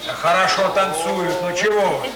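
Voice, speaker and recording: An actor playing an easygoing, self-deprecating colleague in a radio play, casual and conciliatory. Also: male voice, high voice, steady tone, moderate pace, recorded from a distance, natural voice. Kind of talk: Soviet radio play acting. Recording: echoey room, loud music and crowd.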